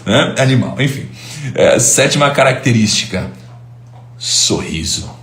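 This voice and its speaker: Chatty male teacher, lively pitch. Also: moderate pace, echoey room. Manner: chatty, peppers talk with tag questions. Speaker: host and teacher. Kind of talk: live informal lecture.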